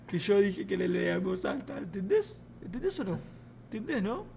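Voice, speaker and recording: A young Argentine streamer dubbing a clip for laughs, high-voiced and wildly animated, mocking and playful, with faint hiss behind him. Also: male voice, moderate pace, creaky. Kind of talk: improvised comic dubbing on a stream.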